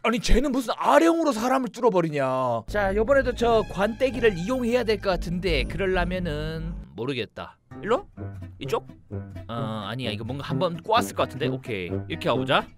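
A man giving lively let's-play commentary on a puzzle game, excitable, shouting and laughing as he talks to himself. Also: high-pitched, a little fast. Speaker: gaming YouTuber. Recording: game music behind the voice.

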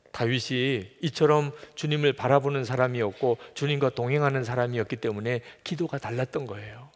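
A pastor preaching a sermon, shifting from hushed, near-whispered lines to raised, emphatic ones. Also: male voice, medium pitch. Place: church sanctuary. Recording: long hall reverb.

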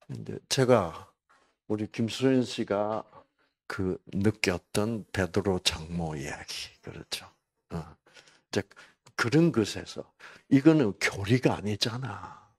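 A man's voice: fairly low pitch, slightly rough. A man giving a conversational Bible lecture at a health program. He poses rhetorical questions and addresses listeners by name.

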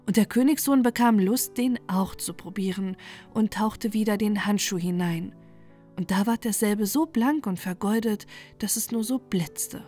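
A woman storyteller reading a fairy tale aloud in a calm, soothing bedtime manner. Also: mid-range voice, a little slow, soft background music.

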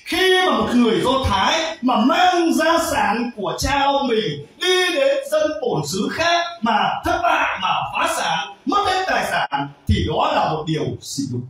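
A man preaches a sermon, his high voice leaping between soft asides and loud emphatic cries. He sounds distant from the mic. A long, booming echo fills the hall around him. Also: very animated, unhurried, hardly any pauses, soft background music. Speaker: pastor. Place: church hall. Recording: very echoey hall, voice from far off.

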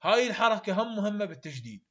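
A man's voice: high-pitched, sing-song, racing, a bit bright. A man with an Iraqi accent tutoring university English, who repeats his points emphatically and drops English terms into his explanations. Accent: Iraqi Arabic. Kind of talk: lecture explaining phonetics. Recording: dull lo-fi recording.

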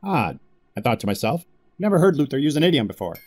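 An actor playing a measured, suspicious and hesitant corporate boss in an audio drama. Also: male voice, medium pitch, sing-song, a little mellow, close to an everyday voice. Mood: measured, wry. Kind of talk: first-person narration and dramatic dialogue. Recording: roomy echo with music behind.

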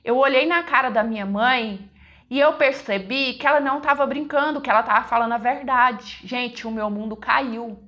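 A woman with a fairly high voice tells a dramatic first-person story, emotional and conversational. She addresses her listeners directly as she goes, like someone confiding a personal tale. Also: moderate pace, pushed and bright, highs cut off.

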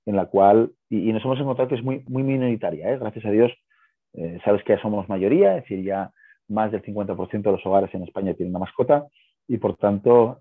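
Low, husky man on a tinny call. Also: no room sound. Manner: explanatory, checks with tag questions. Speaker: guest, pet-business co-founder. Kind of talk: conversational interview explanation. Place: video call. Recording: muffled phone-like video-call audio.

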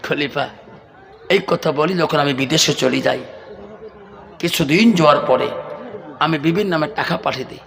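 High-voiced man chanting a sermon with big echo. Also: gravelly, fairly bright tone, some chatter behind. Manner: chanting, drawn-out melodic delivery with repeated address to listeners. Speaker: preacher. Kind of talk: sung Bengali waz sermon storytelling. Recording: echoey hall reverb through PA.

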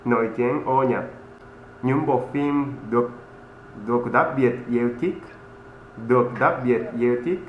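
Man, thirties, Japanese accent, native Japanese speaker, slow deliberate delivery, scripted presenting, roomy recording. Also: medium pitch. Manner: careful, deliberate enunciation of a learned language. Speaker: presenter of a language channel. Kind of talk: scripted presentation with rehearsed phrases. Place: indoor room with green screen. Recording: roomy, slightly dull, faint noise.

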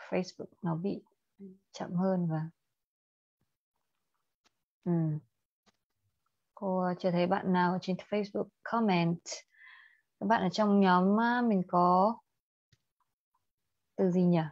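A young woman teacher with a Vietnamese accent leads an online IELTS class, mixing Vietnamese and English and quizzing her students. She speaks slowly and deliberately. The sound is dry and a little muffled. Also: fairly low pitch, darkish tone, no room sound. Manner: mixes Vietnamese and English, asks students questions. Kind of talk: livestream English lesson.

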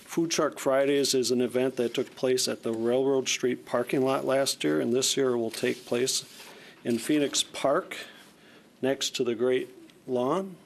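A man's voice: mid-range voice, steady tone, unhurried, vocal fry, slight background noise. A middle-aged American man giving a formal presentation to a council as a staff presenter. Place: council chamber.

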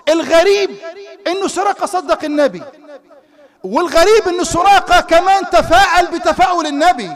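A man preaching a live sermon with an Egyptian Arabic accent, telling stories in an animated way and throwing rhetorical questions to his listeners. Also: extremely high pitch, a little fast. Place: Islamic center hall.

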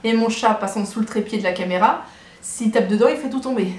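A woman's voice: a little high, a little fast, a little mellow. A woman in her early twenties from Brittany, chatting casually to camera in a hesitant, rambling way. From Brittany, France. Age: early 20s. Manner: rambling, hesitant, repeats herself. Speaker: vlogger presenting herself. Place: small living room at home, indoors. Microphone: compact camera on tripod, about a metre away. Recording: echoey room, clear background noise.

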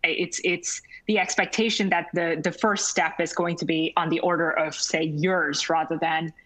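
Low-voiced woman panelist on a call. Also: fairly even intonation, moderate pace, a bit bright, low-quality recording. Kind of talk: panel discussion. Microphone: video call.

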